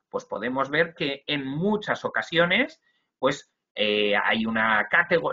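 A young man who trains Spanish language teachers gives a webinar lecture from an indoor room, explaining each slide and sprinkling in "ujú" and "eh". His mid-range voice is bright and forceful. The sound comes through a video call webcam and is dull and lo-fi.

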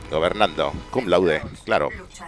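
A man's voice: sits low, unhurried, soft background music. A man with a Spain Spanish accent, streaming a game live with rambling, self-mocking banter, sounding tired. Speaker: gaming streamer. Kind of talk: casual live gameplay commentary.

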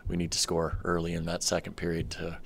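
A middle-aged man speaks into a table microphone in a press room, in a deep, gravelly voice. He answers in a measured, matter-of-fact way, with an even, flat delivery that rarely rises. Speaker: hockey head coach. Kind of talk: post-game press conference answers. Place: press room in front of a sponsor backdrop. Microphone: table microphone on a stand.

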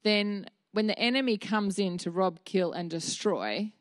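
A woman's voice: medium pitch, unhurried, no echo. A woman, giving an earnest, candid, conversational sermon at church, speaking into a handheld mic. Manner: earnest, candid, with fillers and restarts. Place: dim church stage with a small seated audience.

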